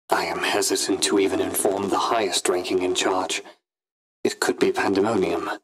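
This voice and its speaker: A man voicing an ambitious, brooding Sith Inquisitor in a pompous, deliberate, theatrical monologue for a scripted audio log. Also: on the low side, close to an everyday voice, poor audio. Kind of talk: scripted in-character log narration.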